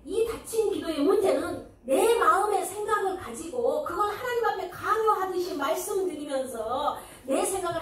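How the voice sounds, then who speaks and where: A woman's voice: extremely high pitch, a little hiss or hum. A woman pastor preaching a sermon, talking to the congregation with rhetorical questions and acted-out quotes. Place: church sanctuary. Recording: echoey church hall, mic at a distance.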